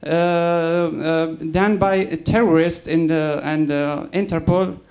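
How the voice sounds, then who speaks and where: A man from Afghanistan speaks from the floor of a public debate. His voice sits high and his delivery is halting and filled with hesitations. He presses an accusing point at a panelist. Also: fairly even intonation, a little mellow. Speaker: audience member.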